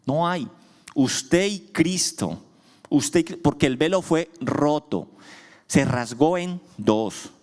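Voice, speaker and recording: Animated preaching man in a reverberant church. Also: on the high side, slow. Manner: asks the congregation questions, answers himself emphatically. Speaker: pastor. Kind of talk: sermon. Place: church hall. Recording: long church hall reverb.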